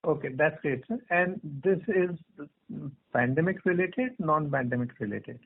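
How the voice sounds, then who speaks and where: A man's voice: a little high, lively intonation, moderate pace, gravelly. A man with an Indian accent asking polite, tentatively phrased questions as a financial analyst on a conference call. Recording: narrow, muffled phone line.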